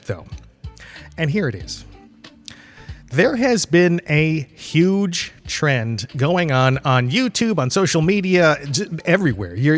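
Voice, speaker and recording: A man's voice: a little high, fairly bright tone. A man hosting a solo podcast, talking in a casual, rambling, candid way with loose swearing and chuckles mid-sentence. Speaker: podcast host.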